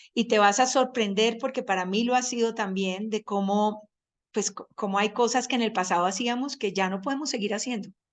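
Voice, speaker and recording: A woman speaks at a fairly quick pace in an ordinary speaking voice, fairly high in pitch with ordinary pitch variation. The background is quiet. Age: 60s. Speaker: course instructor. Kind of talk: online course session. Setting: video call.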